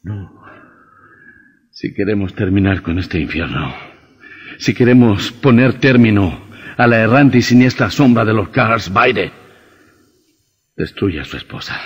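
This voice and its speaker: An actor playing a grim, insistent vampire hunter who lectures sternly in an old radio drama. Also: male voice, lowish voice, expressive, unhurried, long pauses, slightly rough, full character voice. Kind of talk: vintage radio drama acting. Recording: muffled old radio recording with reverb.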